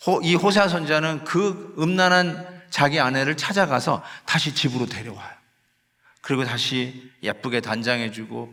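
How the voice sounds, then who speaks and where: A man's voice: medium pitch, sharp tone. A male pastor preaching a conversational sermon, slipping in English phrases and acting out short quoted pleas. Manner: acts out quoted sighs and pleas. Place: church sanctuary. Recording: long hall reverb in a sanctuary.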